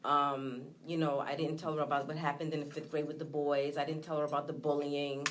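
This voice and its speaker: A woman's voice: low-pitched, little pitch movement, a bit bright. A woman from Trinidad, raised in Brooklyn, speaking candidly and hesitantly as an interview guest. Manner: candid, reflective, hesitant with many pauses. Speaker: guest, nonprofit founder. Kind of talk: personal testimony in an interview.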